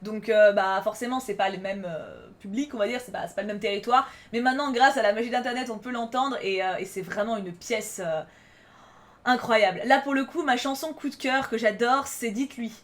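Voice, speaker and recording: A woman's voice: fairly high pitch, a little fast. A young woman vlogging casually, enthusiastic and rambling, with many fillers and restarts. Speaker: YouTuber. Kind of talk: casual vlog countdown.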